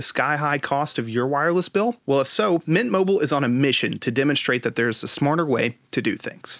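Dry with no echo, a man's voice has a bright, sharp tone. He talks at a fairly quick pace with lively intonation. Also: quiet background. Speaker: tech channel host. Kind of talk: sponsor read. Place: home room. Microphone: studio mic.

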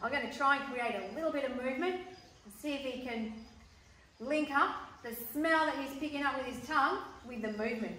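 Audible room echo surrounds a woman's raised, projected voice as she talks at a fairly quick pace with ordinary pitch variation. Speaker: presenter. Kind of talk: casual educational commentary. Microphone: phone near.

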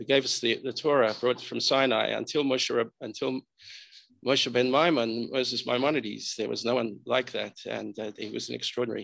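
In front of a quiet background, a man with vocal fry speaks at a medium pitch and a moderate pace, his intonation fairly even. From Australia, Sydney. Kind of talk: lecture. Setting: Skype call.

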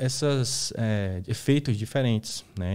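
A man's dark, mellow tone over a quiet background. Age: young. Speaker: neurologist; guest. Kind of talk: casual interview. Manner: halting. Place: studio. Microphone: studio mic.

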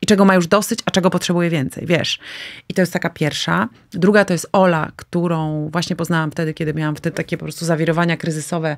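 A woman talks at a very fast pace in a fairly low pitch, her intonation fairly even over a quiet background. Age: 40s. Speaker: style mentor and educator; educator. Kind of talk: casual chat. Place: studio. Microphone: studio mic.

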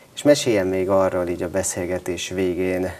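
This man has a very deep, low voice. He speaks at a fairly slow pace. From Hungary, Sopron; Hungary. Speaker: TV host. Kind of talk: interview. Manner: formal. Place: studio. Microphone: lapel.

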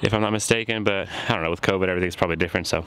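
With light background noise and a dry sound with no echo, a man talks at a very fast pace using ordinary pitch variation. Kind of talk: casual vlog chat. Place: open country. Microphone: phone near.

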